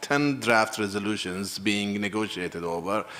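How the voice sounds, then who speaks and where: A fairly low-pitched male voice at a moderate pace, ordinary pitch variation, noticeable background noise. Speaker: government delegate. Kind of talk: formal meeting statement. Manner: halting, many fillers.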